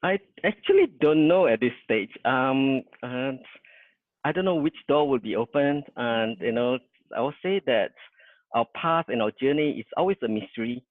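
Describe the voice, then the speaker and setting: A man from Indonesia, a business owner, answering interview questions in a halting, modest way with many fillers. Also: medium pitch, expressive, no echo, phone-quality sound.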